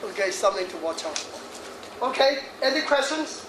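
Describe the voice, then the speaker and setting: 60s guy giving a fun feng shui talk, highish voice, roomy hall, noisy far-off recording. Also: very animated, normal speed. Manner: jokey, laughs often, chatty asides. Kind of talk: lively lecture to an audience. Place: hall in front of an audience. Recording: echoey hall audio from afar with noise.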